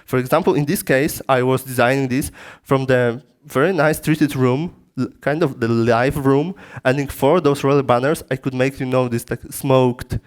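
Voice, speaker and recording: Halting Polish-accented man lecturing. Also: medium pitch, steady tone. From Poland. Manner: halting non-native phrasing with frequent restarts. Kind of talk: technical lecture. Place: conference room. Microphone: through a PA system.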